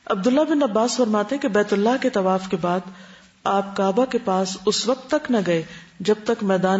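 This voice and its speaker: A woman giving a religious lecture as an Islamic teacher, explaining step by step and checking that listeners follow with quick questions. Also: mid-range voice, a little mellow. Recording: dull lo-fi recording.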